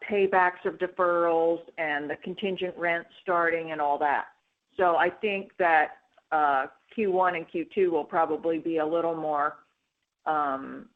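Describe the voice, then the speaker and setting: A woman executive answering analyst questions on an earnings call, in a conversational way with frequent fillers. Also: low-pitched. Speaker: company executive. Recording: tinny phone line.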